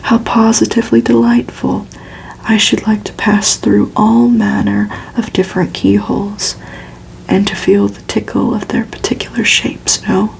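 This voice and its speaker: A woman voicing a worldly, courteous male vampire in a breathy whisper for an ASMR storybook reading. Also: medium pitch, level tone, normal speed, a little mellow, low-quality recording. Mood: amused. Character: worldly, amused, courteous male vampire telling his life.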